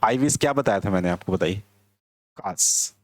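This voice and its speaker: A man teaching English in a classroom lecture, explaining slowly and asking his students whether they understand. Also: on the low side, lively intonation, dry recording.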